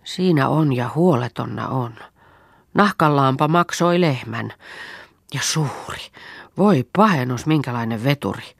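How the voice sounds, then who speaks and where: A woman voicing a bold young farm girl who takes charge, talking in animated exclamations. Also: rumbling low, creaky, no echo, clean studio sound, exaggerated voice. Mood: lively.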